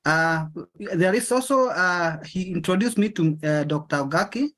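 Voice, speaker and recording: A man, a guest speaker from an NGO, giving polite, halting remarks over an online call. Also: sits high, animated, a bit bright. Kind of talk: formal remarks.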